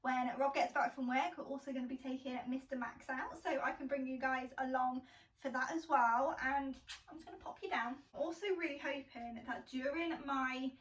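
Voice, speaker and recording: High-voiced british girl vlogging at home, chatty, laughs at herself, bit far off the cam. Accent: British English. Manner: chatty and self-deprecating, laughs often. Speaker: lifestyle vlogger. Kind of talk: casual chatty vlog. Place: at home indoors, kitchen. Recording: echoey room, voice a bit distant from the camera.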